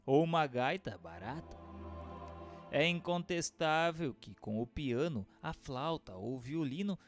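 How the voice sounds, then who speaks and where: A man plays a learned spirit lecturing patiently in a radio play. The Brazilian voice is solemn and eloquent, rising and falling widely on emphatic, deliberate phrases. Music plays underneath. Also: mid-range voice. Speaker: voice actor in an audio book dramatization. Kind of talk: scripted radio drama monologue, didactic reading.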